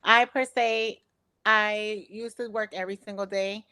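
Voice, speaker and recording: A woman's voice: mid-range voice, steady tone, unhurried, pushed and bright, clean tone. A woman from Philadelphia in her thirties, co-hosting a casual chat, earnest and explaining things at length. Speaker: co-host, travel agent.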